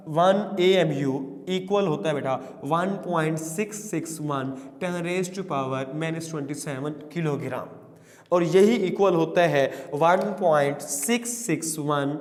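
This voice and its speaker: A middle-aged man with a Pakistani Urdu accent lectures on chemistry in a fairly high voice. He coaxes his students with questions and dictates English definitions slowly, word by word. The recording has a long hall-like reverb. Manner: coaxing, calls students beta, asks and answers questions. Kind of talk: recorded entry-test lecture.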